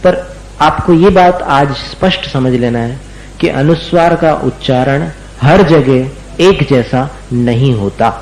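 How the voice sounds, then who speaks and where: The recording is rough and the room echoes as a religious teacher with a mid-range, darkish voice conducts a recitation lesson. Patiently, he draws words out and repeats them slowly for his students to copy.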